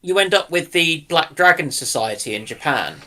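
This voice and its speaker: A man's voice: a little high, lively intonation, moderate pace, pushed and bright. A man taking part as a panelist in an informal discussion, offering examples and opinions.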